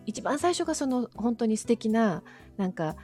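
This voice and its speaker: A woman's voice: on the high side, expressive, normal speed, mellow. A woman chatting casually as an interview guest, reminiscing politely and often searching for her words. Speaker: interview guest, amateur radio drama performer. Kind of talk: casual reminiscing chat in an online audio interview. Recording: background music under the talk. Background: music.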